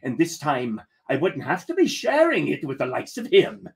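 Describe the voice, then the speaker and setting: A man telling a comic first-person pirate tale in a deliberate, theatrical manner. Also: fairly high pitch, huge pitch swings. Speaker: storyteller.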